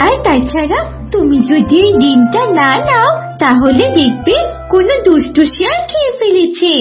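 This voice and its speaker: A woman voicing gentle, motherly talking animals in a children's cartoon, with an expressive sing-song delivery. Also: extremely high pitch, moderate pace, music in the background.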